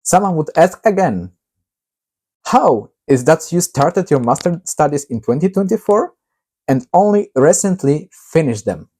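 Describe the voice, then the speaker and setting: Guy reading his own novel out loud, warm mellow tone, steady with lots of little pauses. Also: fairly high pitch, husky. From Poland. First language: Polish. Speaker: author.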